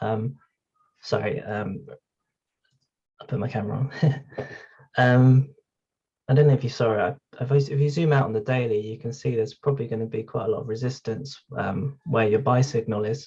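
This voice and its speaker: A man's medium-pitched voice, somewhat breathy, moves at a moderate pace with ordinary pitch variation. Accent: British. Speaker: trading student. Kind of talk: class Q&A. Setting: video call. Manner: hesitant.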